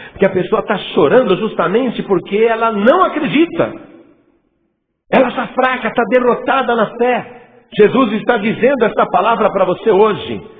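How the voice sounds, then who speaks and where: A man with a Brazilian accent preaching a sermon as pastor, emphatic, swinging between loud and hushed delivery. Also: high voice. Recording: phone-like sound with long reverb and faint noise.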